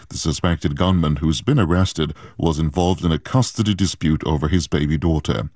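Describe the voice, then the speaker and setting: A male newsreader with a very low voice reads the bulletin in a measured, formal tone. The studio sound is dry and close. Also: a little mellow, no room sound. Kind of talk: news bulletin reading.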